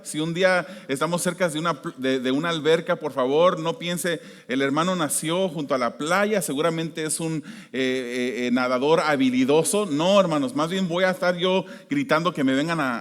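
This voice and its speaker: A man from the United States preaching a sermon as pastor, shifting between loud emphasis and quiet, hushed prayer. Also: high-pitched. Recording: long hall reverb.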